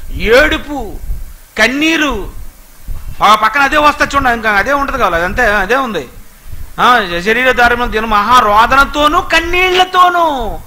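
Male preacher, high bright voice, animated sermon, questions to the crowd, faint noise. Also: poor audio. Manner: animated, asks the listeners many questions.

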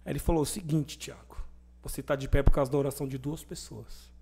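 A young adult man, guesting on a podcast, tells his personal faith story in animated conversation, acting out the voices of the people he quotes. He speaks fast in a medium-pitched, creaky, husky voice.

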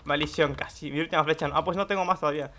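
A young man giving live gameplay commentary, excitable, swearing and bursting into shouts. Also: on the high side, very fast. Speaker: gaming YouTuber.

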